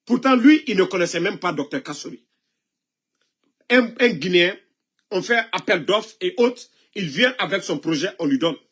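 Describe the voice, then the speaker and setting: High-voiced man, indignant, with a cold. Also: animated, moderate pace, fairly bright tone, husky. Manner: indignant, scolding, emphatic rhetorical questions. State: has a cold, coughing. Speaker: political commentator. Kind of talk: impassioned political commentary.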